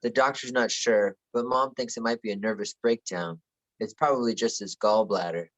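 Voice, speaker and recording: A man's voice: fairly low pitch, normal speed, a bit bright, highs cut off, lightly acted. A man playing a sullen, dismissive teenage boy in a script read, with a curt, sardonic delivery. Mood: low-key, matter-of-fact. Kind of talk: virtual table read of a film script.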